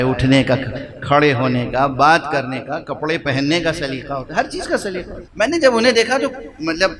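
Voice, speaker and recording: A man's voice: high-pitched, sharp tone. A man preaching a majlis sermon in a hall, putting rhetorical questions to his listeners and repeating key phrases for emphasis. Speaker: Shia religious scholar.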